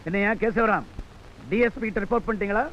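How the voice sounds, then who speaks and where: An actor playing a brisk police officer questioning a subordinate. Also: male voice, sits high, over loud music, natural voice. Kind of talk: 1980s Tamil film dialogue. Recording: muffled noisy film track.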